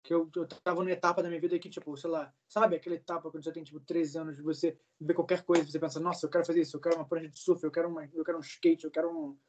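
A man's voice: fairly high pitch, level tone, very fast, few pauses, a little mellow, slight background noise. A man in his early twenties telling stories in a casual interview, rambling with lots of fillers and swearing. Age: 20s. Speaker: guest, singer.

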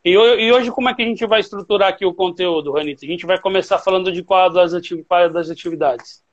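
A man hosting a casual live stream, chatty and warm, laughing often and talking with many fillers. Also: high voice, quick pace, dull audio. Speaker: host of a travel-trade live stream.

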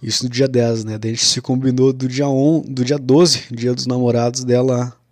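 Speaking at a moderate pace, a young man shares a personal story in a relaxed, confessional way. His middle-pitched voice stays flat and even, sprinkled with "cara" and "né," and the recording is dry and close, with no room around it.

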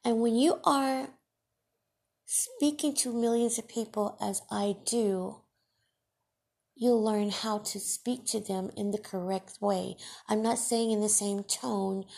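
A woman podcast host with Farsi as her first language talks slowly and deliberately. Her voice has a gravelly, husky texture, and she leans on her words with emphatic, scolding weight. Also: mid-range voice, a little mellow. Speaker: podcast host and radio broadcaster. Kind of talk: solo podcast monologue.

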